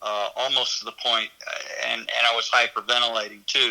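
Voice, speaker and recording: The man's fairly quick speech comes through noticeable background noise. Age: 60s. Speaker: covid patient. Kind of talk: interview. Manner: halting.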